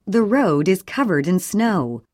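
A woman reads short English sentences for a language drill, each one clear and deliberate. Her intonation moves lively up and down. The sound is dry and close, with no room behind her. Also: mid-range voice, dry recording. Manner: clear, even, deliberate reading. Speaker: English audio reader. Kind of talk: slow scripted English sentence reading for drills.

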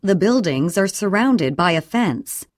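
A woman's voice: medium pitch, no echo, studio quality. Woman reading English drill sentences. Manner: clear, even, deliberate reading. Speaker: English audio reader.

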